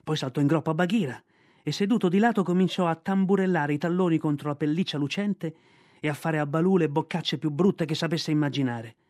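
A man narrating a story in a steady reading voice. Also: fairly high pitch, brisk, no echo, clean studio sound. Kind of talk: audiobook narration.

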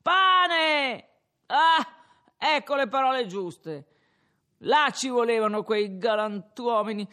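A man voicing a drunk young peasant who rambles and boasts loudly in a tavern, his speech slurred. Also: very high-pitched, animated, slow, pitched above the performer's own voice, exaggerated voice. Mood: drunken ranting.

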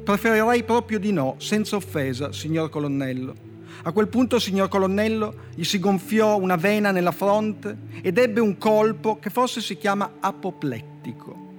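Man with a Turin accent, high voice, deadpan reading of fables, radio studio, faint music underneath. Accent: Italian, from Turin. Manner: dry, deadpan delivery with slow pauses at punchlines. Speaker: poet guest reading his fairy tales. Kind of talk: reading short comic fables aloud on live radio. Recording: music bed playing faintly behind.

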